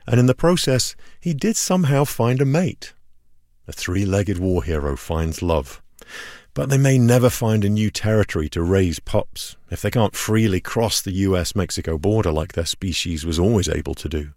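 A man reporting outdoors, narrating a documentary story in a calm, measured way. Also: sits low, dry recording, clean studio sound. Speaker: radio reporter. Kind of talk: scripted documentary narration with field interviews. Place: outdoors at a border wall, in the hot sun.

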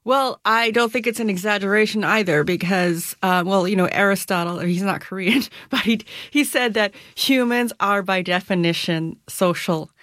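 A woman's voice: mid-range voice, normal speed, few pauses, a bit bright, no room sound, studio quality. A middle-aged woman author answering interview questions in an articulate, conversational way, laughing lightly as she explains. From United States. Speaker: author and guest.

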